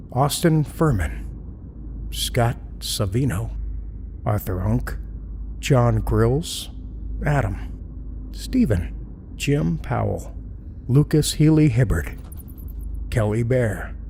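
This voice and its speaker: A man hosting a podcast, reading scripted credits and announcements in a measured, deliberate way. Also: medium pitch, warm tone, a little hiss or hum. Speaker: podcast host.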